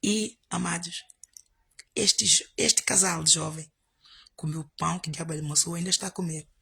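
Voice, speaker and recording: A woman's voice: lowish voice, fairly even intonation, moderate pace, creaky, pushed and bright, breathy edge. A woman pastor preaching, telling a story and repeating her points with emphasis. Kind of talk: storytelling sermon.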